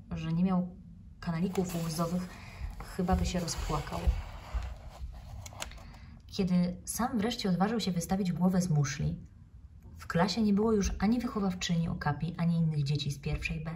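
A woman, an actress, reading a children's book aloud in a calm, measured way. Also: lowish voice, far from the mic, slight background noise.

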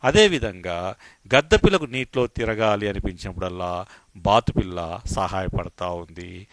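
A man narrating a children's moral story as an expressive storyteller with swooping emphasis. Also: low voice, moderate pace, no echo.

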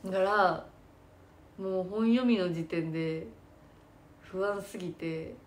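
A woman's voice: lowish voice, slow. A young woman chatting casually in a self-deprecating way, laughing often as she talks. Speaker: idol and stage actress. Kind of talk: casual chat.

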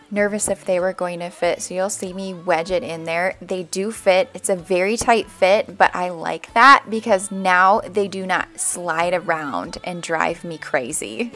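A woman's voice: lowish voice, fairly bright tone. Chatty upbeat woman vlogger. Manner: chatty and upbeat, easy asides. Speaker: vlogger, stay-at-home mom. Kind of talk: casual voice-over narration.

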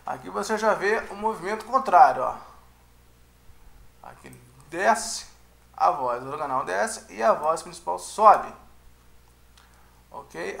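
Chatty high-voiced man teaching music. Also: gravelly, fairly bright tone, reverberant. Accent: Brazilian Portuguese. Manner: chatty, checks in with "né?" and "tá?". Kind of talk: casual explanatory lecture.

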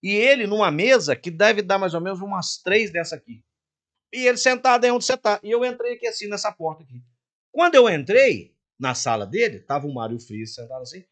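A man's voice: high-pitched, fairly quick. Older Mineiro man, podcast guest, raised voice with big swings, plays every part in his tale. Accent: Mineiro (Minas Gerais). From Minas Gerais, Brazil. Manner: animated, acts out every line of dialogue. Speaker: guest singer. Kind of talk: podcast storytelling.

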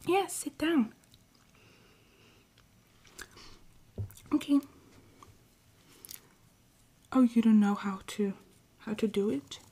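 A woman playing a friendly, patient Christmas elf helper in an ASMR roleplay, speaking softly and breathily, often in a whisper. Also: on the high side, lively intonation. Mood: friendly, encouraging. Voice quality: soft, breathy, frequently whispering. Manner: gentle, encouraging, unhurried. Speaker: ASMR performer.

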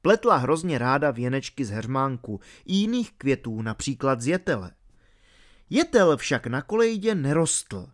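A man narrating an audiobook in a lively, expressive way. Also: mid-range voice.

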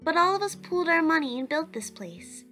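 A woman's voice: extremely high pitch, very animated, brisk, sharp tone, soft background music, full character voice. A woman voicing a kind, cheerful, determined young child in a cartoon comic dub, with an earnest, chatty manner. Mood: happy.

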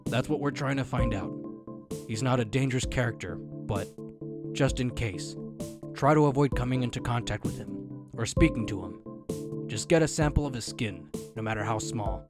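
A man voicing a stern, reserved mentor in a comic fan dub, measured, terse and serious. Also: medium pitch, music in the background, close to an everyday voice. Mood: serious, guarded. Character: stern, reserved adult male mentor giving a mission.

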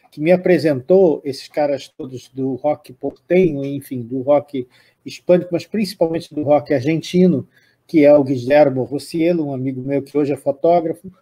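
An older Brazilian man speaking Portuguese with a Brazilian accent, hosting a music program off the cuff. His voice is husky and mellow, pitched a bit high for a man, and he wanders through his thoughts with frequent restarts and little tag questions. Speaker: music show host. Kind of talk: unscripted spoken commentary.

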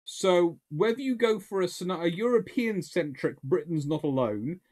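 A man's voice: high voice, animated, moderate pace, darkish tone. A British man in his thirties, talking casually about history and politics in a small study, rambling with many restarts. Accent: British English. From United Kingdom. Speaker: naval historian answering viewer questions. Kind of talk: casual explanatory talk. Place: small study lined with bookshelves, indoors. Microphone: webcam-style framing at desk.

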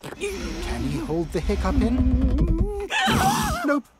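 Expressive children's cartoon narrator with swooping pitch. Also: extremely slow, very noisy. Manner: expressive, reacting aloud to the action with exclamations. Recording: music behind the narration. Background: music.

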